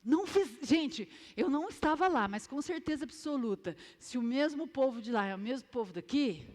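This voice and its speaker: A Brazilian woman preaching a lively youth sermon in a church hall, acting out scenes and quizzing the crowd. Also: high voice, moderate pace. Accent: Brazilian Portuguese.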